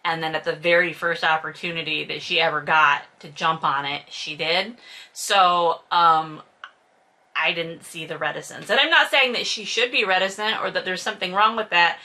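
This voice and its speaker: A woman's voice: lowish voice, normal speed, sharp tone. A woman giving casual, comedic book commentary in an exasperated, sarcastic, sweary manner full of exaggeration. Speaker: host reading and critiquing a novel.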